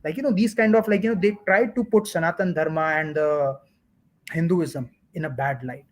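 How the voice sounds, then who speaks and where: A man's voice: fairly high pitch, normal speed. Man peppering talk with "like, you know". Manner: constant "like, you know" fillers. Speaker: guest. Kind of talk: casual commentary chat.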